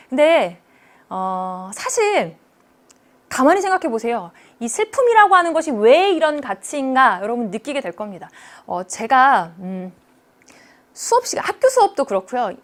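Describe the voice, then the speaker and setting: A woman teacher lecturing with a bright, fairly high voice that leaps up and down in pitch. She keeps her students engaged and often stops to check that they are following. Her delivery is lively and expressive throughout. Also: moderate pace.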